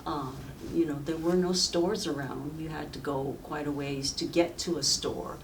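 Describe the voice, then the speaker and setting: Elderly woman reminiscing haltingly, recorded from afar. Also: low-pitched, fairly even intonation. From rural southern China. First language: Sayep village dialect of Chinese. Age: 70s. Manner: halting, reflective reminiscing with frequent pauses. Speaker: oral history interviewee. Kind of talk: reminiscing life-story interview. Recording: distant mic with faint background noise.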